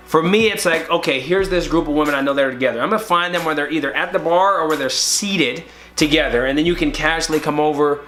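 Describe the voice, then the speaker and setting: A young man co-hosting a podcast, giving casual advice in a relaxed way, often restarting words and acting out sample conversations. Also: on the high side, fast talker, few pauses. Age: young adult. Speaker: podcast co-host.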